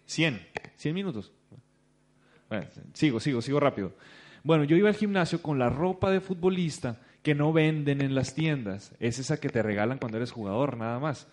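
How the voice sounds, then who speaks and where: A man with a Mexican accent and a fairly high-pitched voice gives a business talk to an audience at normal speed. He tells a story and animatedly acts out the people he quotes in it.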